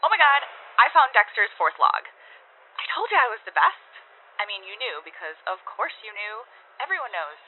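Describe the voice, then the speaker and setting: A woman playing a chatty, cocky scavenger who rambles excitably and boasts in a radio drama report. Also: mid-range voice, moderate pace, lightly acted. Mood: excited, boastful. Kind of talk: in-world radio audio drama acting. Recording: tinny narrow radio transmission with noise.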